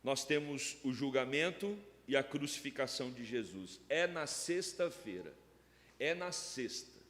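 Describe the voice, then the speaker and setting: A man's voice: mid-range voice, animated, unhurried, fairly bright tone. A man with a Brazilian Portuguese accent preaching a sermon as pastor, emphatic and full of rhetorical questions. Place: church sanctuary. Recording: long church reverb.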